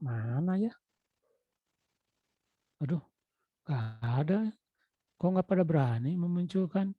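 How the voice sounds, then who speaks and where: A man's voice: on the high side, lively intonation, takes it slowly, slightly rough, no echo. A man with a Sundanese-influenced Indonesian accent teaching an online class, coaxing and repeatedly calling out to his students. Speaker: lecturer. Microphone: video call. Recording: dull lo-fi video call audio.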